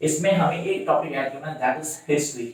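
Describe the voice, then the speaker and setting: A male tutor with an Indian English accent giving a brisk exam-prep lecture, talking straight to his students and answering his own questions. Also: fairly high pitch. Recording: very echoey room, voice far from mic.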